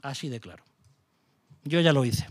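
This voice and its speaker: This sermon comes from a middle-aged man from Spain, a pastor speaking with a Spanish accent at normal speed and medium pitch. He is animated and passionate, tossing out rhetorical questions and scornful asides, and the recording carries no room sound.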